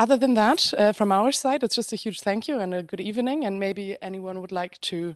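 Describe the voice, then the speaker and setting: Over a quiet background, a woman speaks at a moderate pace with ordinary pitch variation, and the sound is dry with no echo. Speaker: event moderator. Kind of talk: announcement. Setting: stage with audience. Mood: relaxed, friendly. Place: hall. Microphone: handheld.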